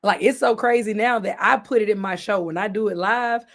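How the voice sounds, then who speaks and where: A woman's voice: medium pitch, a little fast. Laughing woman singer telling stories. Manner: laughing, animated storyteller. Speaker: singer and producer, interview guest. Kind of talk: casual interview chat.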